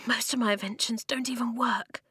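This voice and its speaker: A woman narrator plays a distraught boy inventor from a storybook. The voice is raised in pitch, breathy and anguished, doubting itself, in a dry recording. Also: fairly even intonation, a little fast, dry recording, heavily acted. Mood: despairing. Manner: hushed, anguished, breathy whispers and gasps.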